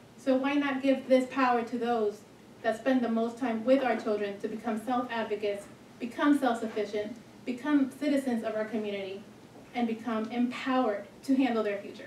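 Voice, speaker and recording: A fairly high-pitched woman with an American accent, fairly quick pace and fairly even intonation, amid light background noise and audible room echo. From Broward County, Florida. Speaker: self-advocate with spina bifida. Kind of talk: prepared policy presentation. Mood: earnest, personal. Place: hall.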